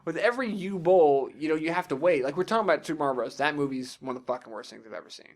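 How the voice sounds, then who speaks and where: A young man with a slightly raised voice hosts a casual podcast discussion. He rattles along at a quick clip. His delivery is opinionated, informal and full of profanity. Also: a little high, lively intonation. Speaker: podcast host.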